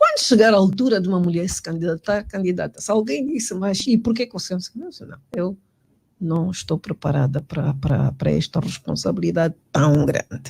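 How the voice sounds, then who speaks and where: Her voice marked by vocal fry, a woman speaks at a fairly quick pace with lively intonation and big swings in loudness. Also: fairly low pitch for a woman. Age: 60s. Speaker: politician. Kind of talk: interview. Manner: halting, many repetitions.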